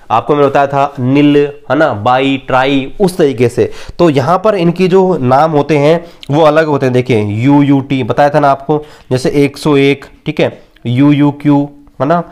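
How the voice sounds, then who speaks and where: A man's voice: a little high, darkish tone. Man teaching, chanting memory tricks. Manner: chants mnemonics slowly, drawn out word by word; casual, repeats phrases, checks in with "theek hai". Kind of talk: exam-prep lesson with memory tricks.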